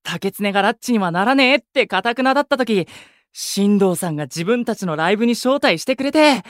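An exuberant young male idol in a Japanese voice drama. His boyish voice is high and swings with lively expression. He talks casually and teasingly, with a warm heart, in a dry, close recording. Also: fairly quick, no echo. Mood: fond reminiscing. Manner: animated, boyish, rough casual speech. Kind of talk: Japanese anime-style voice drama acting.

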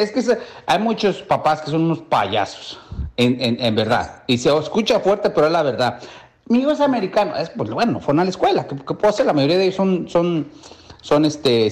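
A Mexican-accented man gives his opinion as a listener message. His voice is a little higher than average. He is colloquial and emphatic, circling back to repeat his point. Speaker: listener leaving an audio message. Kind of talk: casual opinionated rant.

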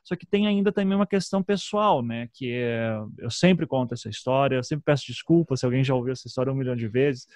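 A man in his thirties with a Paraná accent from southern Brazil, speaking conversationally and reflectively as an interview guest, often halting and restarting his sentences. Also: mid-range voice, a little mellow, no room sound. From Curitiba, southern Brazil. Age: 30s. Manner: halting, self-interrupting, frequent "né" tags. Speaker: podcast guest, storytelling podcaster.

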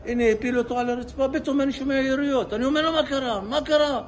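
A man's voice: very high-pitched, fairly even intonation. A man, a bereaved father giving a distraught account in a recorded clip, his voice breaking. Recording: noisy field recording.

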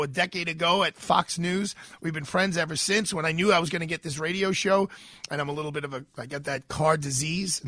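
A man's voice: high-pitched, bright, forceful tone, dry recording, clean studio sound. A man hosting a live radio talk show, introducing and interviewing a guest with effusive energy.

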